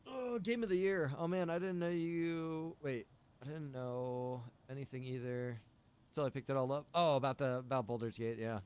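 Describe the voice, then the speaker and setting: A man chatting casually on a game livestream, rambling and thinking out loud. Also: medium pitch, fairly even intonation, normal speed, clear, resonant tone. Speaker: game streamer. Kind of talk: casual livestream chat while gaming.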